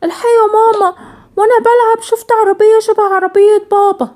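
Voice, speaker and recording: A woman's voice: very high voice, steady tone, fast talker, darkish tone. A woman voicing an eager little girl who chatters insistently, with an Egyptian accent. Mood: excited. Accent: Egyptian Arabic. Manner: eager, pleading, breathless chatter.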